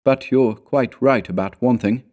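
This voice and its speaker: A man's voice: mid-range voice, measured pace, a little mellow, voice pushed up, natural voice. A man voicing a grave, frightened and fatalistic canoe companion in a storybook, speaking with intense foreboding. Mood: grave, resigned. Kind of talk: storybook character dialogue.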